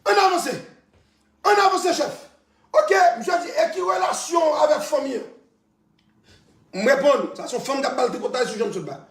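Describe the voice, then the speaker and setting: A man with a Haitian accent, ranting loudly on a live stream, repeating phrases and laughing between shouts. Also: very high voice, moderate pace, pauses often, echoey room. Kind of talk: heated live-stream rant.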